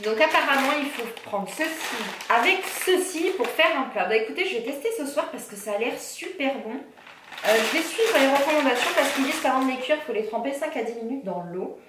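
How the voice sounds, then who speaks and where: A woman's voice: sits high, animated, brisk. A woman vlogger chatting casually through a food box unboxing, reading ingredient lists aloud with fillers and self-corrections. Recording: echoey room, faint background noise.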